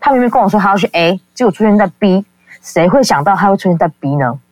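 A caller rattles through a personal story at a quick clip. The talk rambles, full of fillers, with quoted people acted out along the way. The sound is dry and close, with no room around it. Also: medium pitch, animated, no room sound. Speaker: call-in guest. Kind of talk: casual confessional storytelling.

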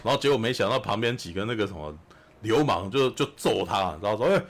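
A man with a Taiwanese Mandarin accent, hosting a podcast and telling a film's story in an animated, chatty way, often asking "you know?". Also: on the low side, fast, creaky. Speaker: podcast host. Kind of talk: casual film recap chat.

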